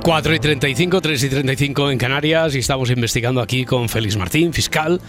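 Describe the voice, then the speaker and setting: A man's voice: mid-range voice, fast, fairly bright tone, soft background music. Chatty Spanish radio host man. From Spain. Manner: chatty, repeats words, eager. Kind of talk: late-night radio talk. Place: radio studio.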